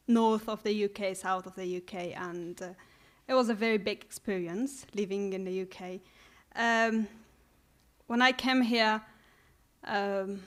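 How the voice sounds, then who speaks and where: A young woman from Afghanistan giving a hesitant speech to an audience, with many fillers and restarts. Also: medium pitch. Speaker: invited speaker.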